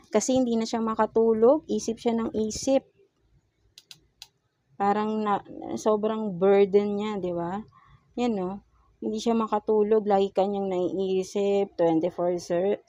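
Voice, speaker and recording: A woman's voice: medium pitch, mellow, dry recording, rough recording. A woman with a Filipino accent doing a casual tarot reading, mixing Tagalog and English and asking coaxing rhetorical questions. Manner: slow, murmured pleading while drawing cards. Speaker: tarot reader.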